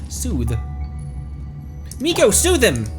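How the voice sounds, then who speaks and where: A man doing casual live gameplay commentary in an animated, halting way, exclaiming often. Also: high voice. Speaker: livestreamer, VTuber. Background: game music.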